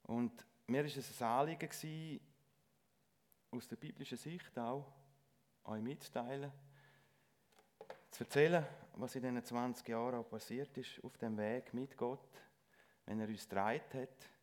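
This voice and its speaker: A middle-aged man giving a lay sermon in church, speaking earnestly and haltingly with frequent restarts. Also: medium pitch, steady tone. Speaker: lay preacher.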